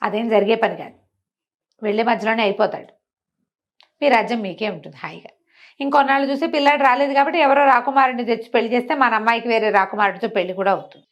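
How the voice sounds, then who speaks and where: Higher-voiced woman telling a folk tale. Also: fairly even intonation, fast, muffled recording. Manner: colloquial, explanatory, acts out characters' dialogue with asides. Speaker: storyteller. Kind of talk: conversational folk-tale storytelling to a listener.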